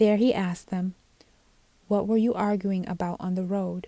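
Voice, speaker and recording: A soft-spoken woman at a medium pitch, calm in tone and dark and mellow, at a moderate pace with a dry, close sound and no echo. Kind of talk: soft-spoken audio Bible reading. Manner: soft-spoken, calm.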